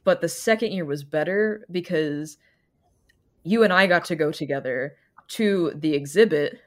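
A woman co-hosting a podcast, chatting casually and telling an animated story with frequent giggles. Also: deep voice, normal speed. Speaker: podcast co-host. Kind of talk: casual chat.

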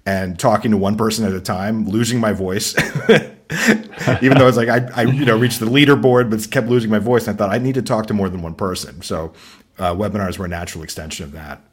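A man's voice: fairly low pitch, brisk, husky. A man being interviewed as a guest on a podcast, talking casually and bluntly, with frequent laughs. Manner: energetic and blunt, laughs easily. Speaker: podcast guest, marketing consultancy founder.

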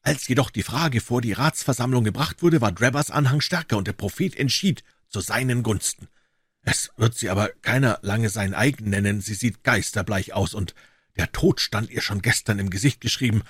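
A man voicing a frightened male Mormon rider in an audiobook, talking in a high, urgent, fearful voice. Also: moderate pace, fairly bright tone, breathy edge, no echo, clean studio sound. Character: frightened middle-aged male Mormon rider, anxious and hurried. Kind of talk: dramatic audiobook reading.

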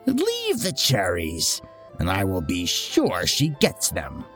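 Storybook villain: sneering, bullying castle guard played by a man, big pitch swings. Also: wildly swooping pitch, slow pace, fairly bright tone, faint music behind, heavily acted. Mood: sneering, grudging.

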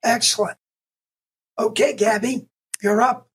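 A man's voice: very high voice, fairly even intonation, measured pace, husky. Muffled upbeat podcast host, man. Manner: upbeat, encouraging, short affirmations. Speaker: podcast host and institute founder. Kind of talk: casual interview chat.

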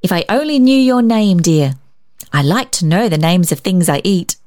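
A woman's voice: lively intonation, moderate pace, a little mellow, close to an everyday voice. A woman voicing a lonely, affectionate storybook lady who gushes tenderly. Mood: playful, eager. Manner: gushing, tender, high-lifted. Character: lonely, wistful, affectionate woman, effusive with delight.

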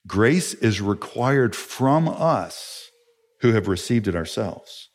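A man's voice: on the low side, very animated, slow. A man, a pastor, preaching an earnest and emphatic sermon with rhetorical questions.

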